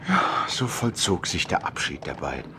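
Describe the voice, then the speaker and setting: A man narrating a 1960s German radio play in a measured, dramatic literary style. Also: low-pitched, huge pitch swings, pushed and bright, slight background noise.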